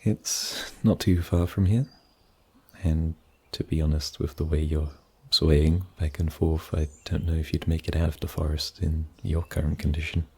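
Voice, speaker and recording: A man playing a gentle, wary and kindly forest mage in a fantasy ASMR roleplay, soft-spoken and a little hesitant. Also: a bass voice, flat delivery, normal speed, slightly rough, full character voice. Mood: concerned, helpful.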